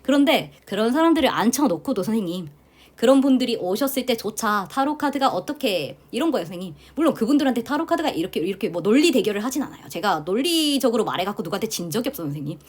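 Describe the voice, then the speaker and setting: A middle-aged woman from South Korea teaching a tarot class, talking in a chatty, animated way and often addressing her listeners directly. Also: on the high side, quick pace, breathy edge. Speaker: tarot instructor. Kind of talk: lecture to students.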